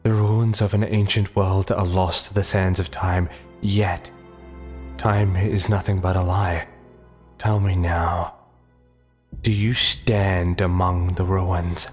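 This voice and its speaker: A man voicing a commanding, sinister masked cult leader in a horror story, deep and haunting, with solemn, archaic, menacing delivery. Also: level tone, takes it slowly, soft background music. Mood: ominous, demanding.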